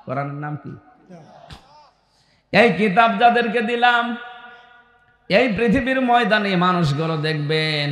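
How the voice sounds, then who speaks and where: Fiery preacher with booming echoey reverb. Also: male voice, a bit bright. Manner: preaching with sudden high emphatic bursts, chanting Arabic verses; asks the crowd questions like a teacher. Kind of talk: sermon.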